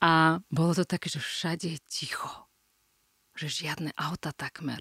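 A woman at a moderate pace, fairly low in pitch with monotone, flat intonation, in a dry, close sound with no echo on a very clean recording with a silent background. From Russia. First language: Russian (speaking Slovak). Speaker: social media marketing expert. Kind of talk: interview. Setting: studio.

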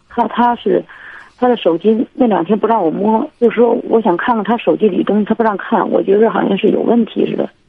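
With ordinary pitch variation, this woman's voice sits at a fairly high pitch. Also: fairly quick pace. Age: 30s. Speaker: caller, schoolteacher. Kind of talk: radio call-in about marriage problems.

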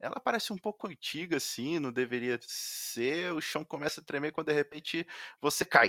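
Recorded very cleanly against a silent background, with a dry, close sound and no echo, a man speaks at a moderate pace in a fairly high, bright, sharp voice with ordinary pitch variation. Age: adult. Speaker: game master of tabletop RPG podcast. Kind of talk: RPG narration and casual chat.

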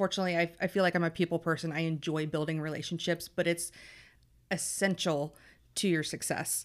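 A woman speaks in a fairly low pitch with monotone, flat intonation and very even loudness. The recording is very clean, with a silent background. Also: fairly quick pace. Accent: American. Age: 30s. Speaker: hairstylist. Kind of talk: casual chat.

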